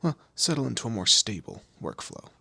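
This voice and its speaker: A man playing a commanding, teasing demon lord in an audio roleplay, with a low gravelly, husky voice and an imperious, theatrical manner. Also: very animated, fairly quick, bright, forceful tone, dry recording, heavily acted. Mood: measured praise. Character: male demon lord, commanding, menacing, teasing boss of hell. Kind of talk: scripted audio roleplay addressed to the listener.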